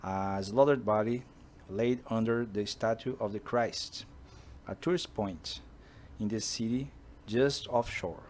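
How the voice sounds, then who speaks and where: A man from Brazil with a Brazilian Portuguese accent, a Portuguese speaker talking in English to camera, pitching a film based on his own books and pausing often to search for words. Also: slight background noise. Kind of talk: casual monologue to camera.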